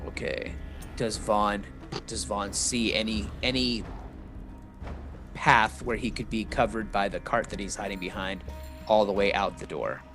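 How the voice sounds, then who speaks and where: A man's voice: fairly low pitch, fairly even intonation, unhurried, fairly bright tone, faint music behind. A man playing a tabletop game, talking hesitantly with lots of fillers as he describes his character. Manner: hesitant, many fillers and restarts. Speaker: player. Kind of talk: tabletop role-play chat.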